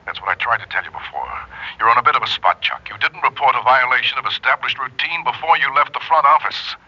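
A man playing a spy handler calling by telephone in a 1960s radio drama, hushed and urgent. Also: mid-range voice, fast, husky. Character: urgent male spy contact on phone. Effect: telephone filter. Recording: dull old radio broadcast.

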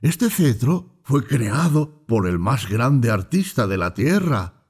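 A man voicing a fawning male royal chamberlain who speaks in a soothing, flattering way in a read fable. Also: medium pitch, slow pace, husky, exaggerated voice.

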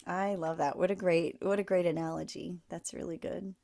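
A woman's voice: on the low side, steady tone, moderate pace, vocal fry, dark tone. A woman hosting a podcast, interviewing casually in an encouraging, affirming way. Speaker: podcast host.

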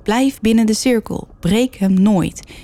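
A woman voicing a man who leads a séance, speaking slowly and solemnly with a slight tremble. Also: mid-range voice, mellow, pitched above the performer's own voice.

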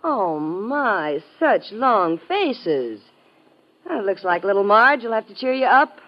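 A woman's voice: medium pitch, big pitch swings, slow. Taunting American gangster woman, muffled recording. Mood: mocking. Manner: taunting, slangy. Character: cold, mocking female gangster, tough-talking killer. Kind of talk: 1950s American radio drama acting. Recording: dull vintage radio recording.

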